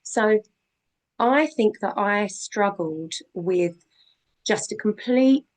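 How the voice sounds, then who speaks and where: Slightly husky woman with a cold. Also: mid-range voice, expressive, slow, a little mellow, low-quality recording. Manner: eager and talkative. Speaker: guest sharing her story. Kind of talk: video call interview.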